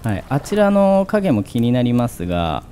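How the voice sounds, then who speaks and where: A man's voice: medium pitch, sing-song, moderate pace, mellow, smooth. A man giving casual horror game commentary, thinking aloud and asking himself questions. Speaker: gaming commentator.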